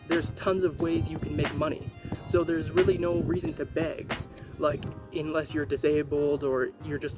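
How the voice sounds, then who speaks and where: A man giving casual, unscripted commentary to viewers as a vlogger, rambling and halting as he repeats words. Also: on the high side. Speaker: YouTube vlogger reviewing another channel. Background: music.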